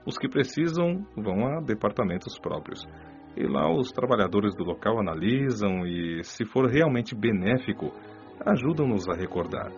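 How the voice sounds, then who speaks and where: An actor with a Brazilian accent playing a kindly, wise male spirit mentor, explaining things in a measured, didactic way for a radio drama. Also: lowish voice. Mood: patient, instructive. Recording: lo-fi band-limited audio, music behind. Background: music.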